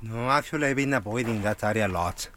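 A man's voice: on the low side, quick pace, a bit bright, dry recording. A man from Mexico with a strong Mexican accent, speaking hesitantly outdoors in a field interview. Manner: hesitant, with restarts and fillers. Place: outdoors at a border wall.

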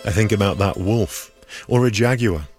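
A man reporting outdoors, narrating a documentary story in a calm, measured way. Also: fairly low pitch, soft background music. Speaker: radio reporter. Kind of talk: scripted documentary narration with field interviews. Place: outdoors at a border wall, in the hot sun.

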